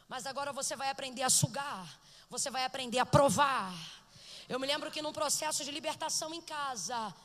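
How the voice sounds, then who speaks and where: Brazilian woman preacher, high and bright, fervent emphatic sermon delivery, long church reverb. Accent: Brazilian Portuguese. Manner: fervent, building to loud emphatic peaks.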